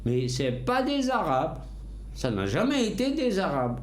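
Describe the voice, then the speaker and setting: Older man, slow and emphatic. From North Africa. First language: Kabyle Berber. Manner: slow, emphatic and outspoken, with lively pitch swings. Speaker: interviewee. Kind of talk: unscripted conversation. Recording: echoey room.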